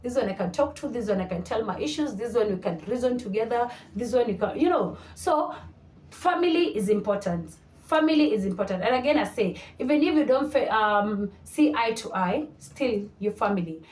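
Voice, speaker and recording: A woman's voice: on the high side, expressive, normal speed, darkish tone, far from the mic. A woman in her thirties chatting to camera as a vlogger, repeating her points and slipping into Swahili. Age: 30s. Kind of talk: casual talk to camera. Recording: roomy sound, voice a little off mic.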